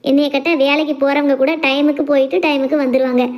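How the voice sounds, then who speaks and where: Woman playing a young daughter, earnest and playful, talks super fast. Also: high-pitched, flat delivery, lightly acted. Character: young adult working daughter, devoted and teasing. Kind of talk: family drama skit.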